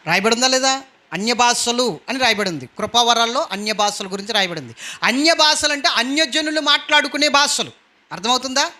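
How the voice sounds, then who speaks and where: A man's voice: very high voice, expressive, brisk, sharp tone. A man preaching a sermon as pastor, emphatic and repeatedly calling out questions to his congregation.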